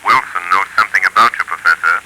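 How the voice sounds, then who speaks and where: Deep menacing radio avenger, far-off filtered voice, hissy old broadcast. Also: male voice, bright, forceful tone. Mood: taunting. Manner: sinister laugh, slow threatening delivery. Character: mysterious male avenger, taunting and menacing. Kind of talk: 1930s radio drama acting.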